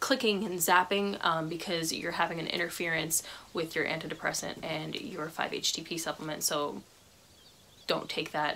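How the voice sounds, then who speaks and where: An unremarkable speaking voice belongs to a woman with an American accent, fairly low pitch and fairly even intonation. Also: moderate pace. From United States. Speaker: YouTuber, wellness vlogger. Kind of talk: casual vlog talk to camera. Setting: her room. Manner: casual, with many fillers.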